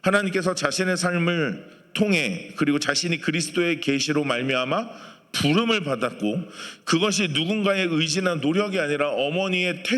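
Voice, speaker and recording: A man's voice: fairly high pitch, fairly bright tone. A man preaching a sermon to a congregation in a conversational way, asking the people in the pews questions. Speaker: pastor. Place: church sanctuary. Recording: long church hall reverb.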